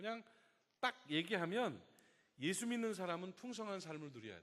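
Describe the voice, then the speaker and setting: High-pitched, a man speaks with very wide pitch swings. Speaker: pastor. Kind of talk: sermon. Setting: church.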